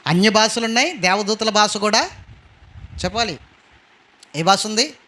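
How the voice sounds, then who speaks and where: High, bright-voiced emphatic man preaching. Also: expressive, normal speed. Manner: emphatic, calls out questions to the congregation. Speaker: pastor. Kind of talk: sermon.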